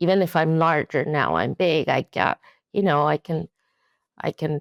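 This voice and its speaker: A woman talks at a moderate pace with a Mexican accent. The sound is dry and close, with no echo. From Mexico. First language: Spanish. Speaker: trauma therapist. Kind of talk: interview. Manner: halting.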